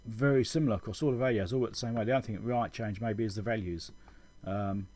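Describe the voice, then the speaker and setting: A man's voice: fairly low pitch, fast, a little mellow. A man giving an informal technical tutorial, explaining things as he thinks aloud. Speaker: electronics repair video host. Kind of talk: casual technical tutorial over schematics.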